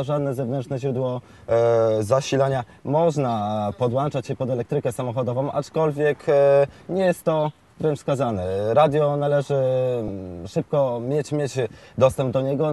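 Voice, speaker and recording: A dark-toned, medium-pitched man in his twenties explains a product off the cuff as a shop expert, recorded on a lapel mic. He hesitates a lot, stumbling over fillers and repeating words as he goes.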